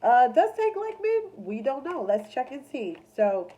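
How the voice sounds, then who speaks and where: A woman's voice: high voice, very animated, unhurried, dark tone, a little hiss or hum. Chatty congested woman reading tarot. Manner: chatty, loose, with frequent fillers. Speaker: tarot reader. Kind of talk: casual gossip tarot reading.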